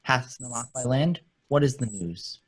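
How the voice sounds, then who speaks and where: A man with a husky voice playing a pious, wordy royal counsellor in a Shakespeare radio play. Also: medium pitch, lively intonation, measured pace, low-quality recording. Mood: teasing.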